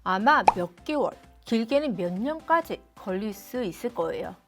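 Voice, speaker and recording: A middle-aged woman hosting a parenting channel, explaining advice to viewers in a friendly, direct way, with soft music underneath. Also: a little high, expressive, moderate pace. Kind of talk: advice talk to camera.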